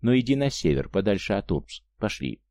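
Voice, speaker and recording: A man voicing a weary but resolute young woman who speaks weakly and in hushed tones, as an audiobook character. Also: lowish voice, sing-song, a little fast, dry recording. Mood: weary resolve. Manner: weak, hushed speech.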